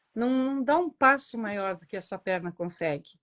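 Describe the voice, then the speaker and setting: A woman talks at a fairly slow pace in an ordinary speaking voice with lively intonation. The recording is very clean with a silent background, dry and close with no echo. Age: 60s. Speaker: mentor and speaker. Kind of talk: casual chat.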